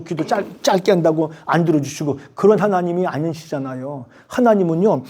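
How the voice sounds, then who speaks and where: A man's voice: fairly high pitch, mellow, breathy edge. A man in his sixties, a professor giving a university lecture, chatty and storytelling, with many rhetorical questions.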